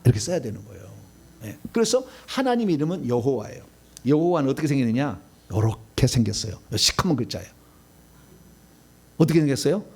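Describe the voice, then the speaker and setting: A middle-aged male pastor giving a teaching sermon, quizzing his listeners and laughing at his own slips. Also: on the high side. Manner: animated teaching, asks the audience questions, laughs at own slips. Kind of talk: sermon lecture.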